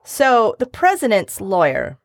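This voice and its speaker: A woman co-hosting a casual comedy chat, jokey and animated, slipping into silly voices. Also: medium pitch, unhurried, no room sound, clean studio sound. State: recovering from a lost voice. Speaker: podcast co-host. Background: dog barking.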